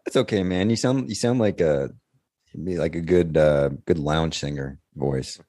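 A man's voice: very deep voice, normal speed, warm tone, no room sound, clean studio sound. A man co-hosting a podcast, chatting casually with rambling conversational asides. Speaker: podcast co-host. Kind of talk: casual chat.

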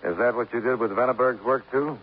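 A man's voice: mid-range voice, fairly quick, close to an everyday voice. An actor playing a dry, blunt male insurance investigator in a 1950s radio drama, asking terse, clipped questions. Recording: tinny, hissy old radio broadcast.

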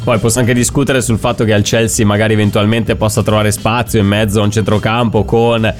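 A man's voice: on the low side, level tone, a little fast, faint music behind. A man hosting a football talk show, commenting conversationally in a wordy, reflective way.

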